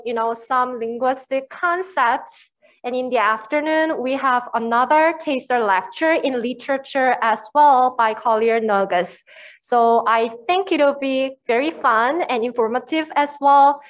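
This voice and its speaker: Slow-speaking woman with a Korean accent. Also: high voice, a bit bright. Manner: slow, explanatory, frequent "you know" and "right". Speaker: lecturer. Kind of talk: university lecture.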